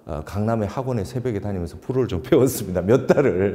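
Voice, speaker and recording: With a Gyeongsang accent, this man has a fairly low pitch, a dark, mellow tone and lively intonation. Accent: Gyeongsang dialect, Korean. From Gyeongsang region, Korea.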